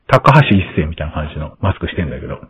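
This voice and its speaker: A man hosting a podcast, chatting casually and telling a story in an animated way, acting out the lines of the people in it. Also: extremely low pitch, racing. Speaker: podcast host. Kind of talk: casual chat. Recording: dull lo-fi sound.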